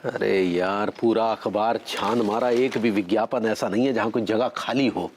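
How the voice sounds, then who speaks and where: An actor playing a pompous, impatient small-time trader. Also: male voice, on the low side, normal speed, noisy background, close to an everyday voice.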